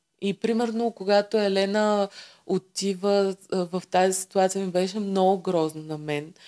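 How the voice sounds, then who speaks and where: At a fairly slow pace, a woman speaks at medium pitch in a dark, mellow tone. The sound is dry and close, with no echo. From Bulgaria, Karnobat. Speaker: reality show contestant. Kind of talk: casual interview.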